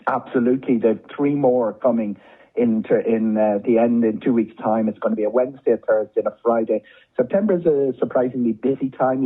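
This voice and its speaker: A man's voice: medium pitch, slightly rough, phone-quality sound. A man with an Irish accent, a travel journalist giving conversational, discursive commentary as a guest, often repeating words for emphasis.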